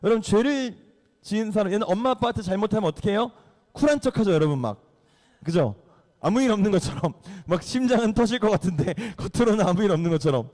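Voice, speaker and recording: A man preaching a lively Bible story sermon to young listeners, acting out the characters and quizzing his audience. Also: high voice, fast talker. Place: church hall. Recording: long hall reverb.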